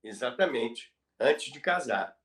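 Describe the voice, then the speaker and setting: Slow, expressive, and a bit bright, a mid-range male voice with a Brazilian accent tells the history of radio as a guest. He narrates conversationally, with emphasis and phrases repeated for effect.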